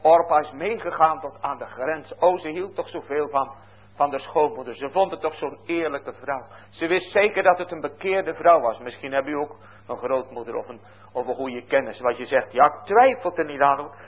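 A man preaching a sermon earnestly and fervently, swinging from hushed to loud. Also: a little high, normal speed, breathy edge. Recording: tinny phone-like lo-fi recording.

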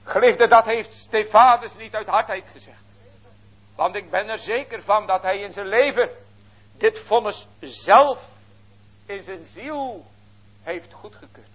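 A man preaching a sermon in a solemn way, swinging between loud cries and hushed words. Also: high voice, a little slow, pauses often, breathy edge. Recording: dull lo-fi recording.

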